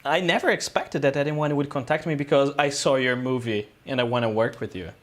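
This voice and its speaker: A man's voice: medium pitch, a little fast. Man telling a story. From Brazil. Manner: loose, rambling storytelling with frequent "uh" and "um". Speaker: guest filmmaker. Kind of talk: casual podcast interview.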